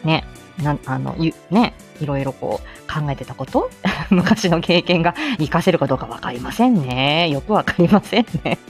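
A woman in her forties hosting a casual live stream, chatty and humble, laughing often and filling pauses as she greets listeners. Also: deep voice, expressive, soft background music.

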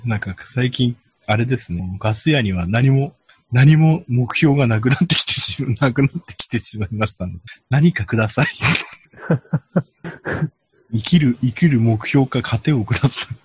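A man's voice: medium pitch, lively intonation, moderate pace, slight background noise. A man hosting a casual podcast chat, talking in a tired, self-deprecating, rambling way. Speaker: podcast host.

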